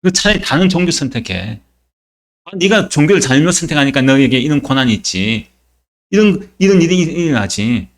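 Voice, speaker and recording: A man's voice: a little high, sing-song, rapid-fire, long pauses, mellow. A male pastor voicing a scornful unbelieving neighbor who taunts a churchgoer, inside a sermon. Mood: mocking. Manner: sneering, taunting.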